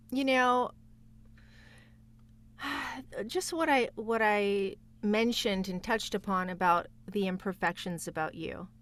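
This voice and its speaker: A woman's voice: lowish voice, fairly bright tone. A woman talking casually as a voice actor guest on a podcast, encouraging and speaking straight to the listeners. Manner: encouraging, addresses listeners directly. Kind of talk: casual conversational interview.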